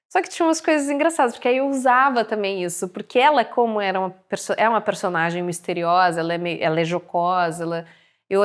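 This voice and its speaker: An actress with a Brazilian Portuguese accent, a guest in a casual interview, telling stories in an animated way and laughing often. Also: female voice, medium pitch.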